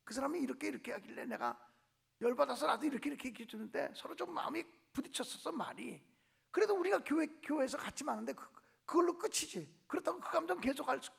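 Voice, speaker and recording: A man's voice: very high voice, gravelly. A male pastor preaching a revival sermon in a church, telling stories and acting out the voices of church members. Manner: animated storytelling, voicing church members in dialogue. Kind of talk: revival sermon with acted-out anecdotes. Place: church sanctuary.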